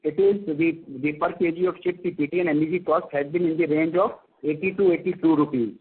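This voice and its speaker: Husky Indian man on a phone line. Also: fairly high pitch, fairly even intonation, quick pace. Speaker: company finance executive. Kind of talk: answering analyst questions on an earnings call. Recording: tinny narrowband conference phone line.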